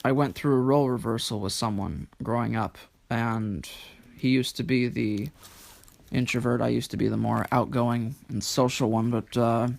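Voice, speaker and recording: A man speaking as an interview guest, reflective and halting, repeating words and choosing slightly formal phrases. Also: medium pitch, steady tone, gravelly.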